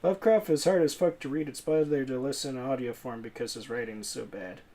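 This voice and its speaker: A man's voice: mid-range voice, fast, warm tone. A young man from New England giving rambling, casual commentary while playing a video game, laughing easily as he talks. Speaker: gaming channel host. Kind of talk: casual let's-play commentary.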